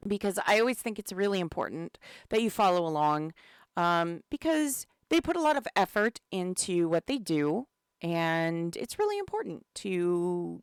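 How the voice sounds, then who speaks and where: Woman streamer, has a cold, chatty and relaxed, unhurried, smooth dry voice. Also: medium pitch, no room sound. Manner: chatty and relaxed, many fillers, greets chat. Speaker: community manager streaming a game event. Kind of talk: casual live-stream commentary.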